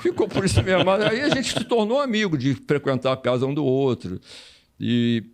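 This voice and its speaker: Older man, from Brazil, fairly high voice, animated storyteller, repeats phrases, interview guest. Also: moderate pace. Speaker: former footballer, podcast guest.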